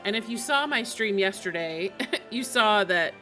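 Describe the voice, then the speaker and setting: Woman game streamer just chatting, rambly, thinking out loud, mid pitched voice, game music going behind her. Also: animated, unhurried, low-quality recording. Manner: informal, rambling, thinking aloud. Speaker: video game live streamer. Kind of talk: casual chat while streaming a game. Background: video game music.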